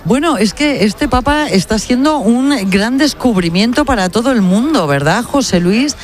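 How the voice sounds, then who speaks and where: A woman anchoring live radio coverage, chatty and animated, with many restarts as she hands over to reporters. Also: fairly high pitch, normal speed. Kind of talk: live broadcast commentary.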